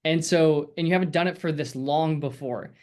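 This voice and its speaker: A man's voice: on the high side, normal speed, darkish tone. Chatty man coaching on a video call. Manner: casual, rambling, encouraging with many fillers. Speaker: sales coach.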